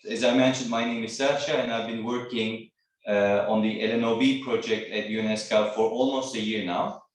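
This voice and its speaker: A man's voice: on the low side, steady tone, moderate pace. A man from Turkey giving an online training presentation as trainer, talking hesitantly with many fillers. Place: video call. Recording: echoey room, far from mic.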